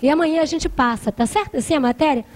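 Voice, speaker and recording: High-voiced Brazilian TV show hostess. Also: female voice, fast. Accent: Brazilian Portuguese. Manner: chatty, makes appeals to viewers. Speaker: TV talk show host. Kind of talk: live TV talk show hosting.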